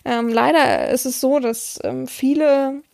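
A woman's voice: sits high, fairly even intonation, slow, gravelly, darkish tone, no room sound, clean studio sound. A woman hosting a podcast, talking frankly in a chatty monologue full of fillers and restarts. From German-speaking region. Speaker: podcast host, dominatrix.

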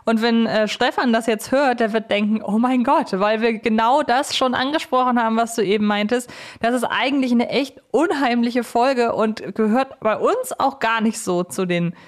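Female podcast host, slightly high voice, conversational and informal interviewing. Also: moderate pace, hardly any pauses.

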